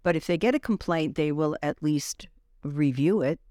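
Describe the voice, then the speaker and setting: A woman's voice: deep voice, normal speed, warm tone, no echo, studio quality. A woman guest explaining at length in casual chat, with asides and self-corrections. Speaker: guest, former grand juror.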